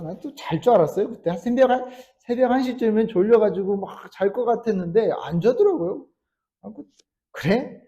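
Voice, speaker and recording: A man in his thirties, a Salvation Army officer preaching a sermon, telling a story with acted quotes and swinging from loud to hushed. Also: high-pitched, highs cut off.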